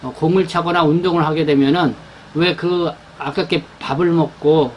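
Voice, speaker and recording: A man presenting his newspaper's pages in an unscripted rundown, talking haltingly with many fillers and restarts. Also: fairly high pitch, fairly even intonation, slight background noise. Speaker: newspaper editor presenting the issue.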